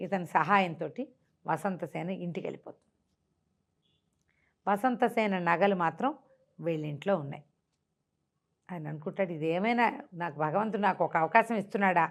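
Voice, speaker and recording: A woman's voice: fairly low pitch, normal speed, pauses often. A woman tells a classical tale off the cuff as a storyteller, explaining conversationally and repeating phrases as she goes.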